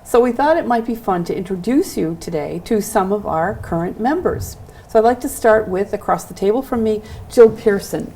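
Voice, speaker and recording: A woman's voice: medium pitch, expressive, normal speed, few pauses, warm tone, a little hiss or hum. A woman hosting a local access television show, introducing guests and asking them encouraging questions. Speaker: host.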